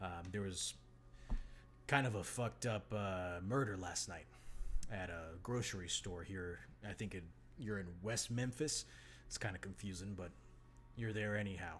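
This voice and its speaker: Putting on a gruff character voice, a man speaks in a fairly low pitch at a moderate pace with long, frequent pauses. Background noise is clearly audible. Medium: actual play. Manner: gruff, blunt.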